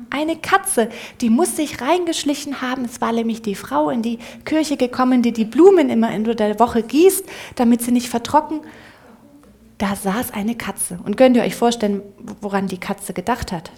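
A woman telling a children's story in church, lively and often dropping to a hushed whisper. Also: fairly high pitch.

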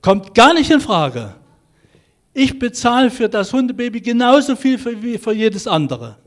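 A man's voice: a little high, animated, measured pace, a little mellow. A man voicing a determined young boy with a leg brace, speaking firmly and insistently in a sermon story. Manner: firm, insistent.

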